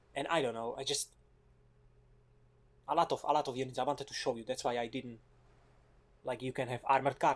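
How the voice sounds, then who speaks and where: A man with a Slovak accent talks at a very fast pace, leaving long, frequent pauses. His intonation is monotone and flat at a medium pitch. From Slovakia. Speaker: gaming commentator. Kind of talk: gameplay commentary. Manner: casual, halting with restarts.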